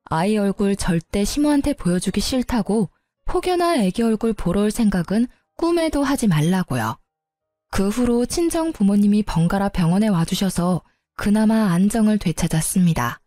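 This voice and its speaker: Mellow-voiced woman telling her story. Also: medium pitch, lively intonation, normal speed, no echo, clean studio sound, soft background music. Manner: indignant, confiding. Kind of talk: first-person story narration.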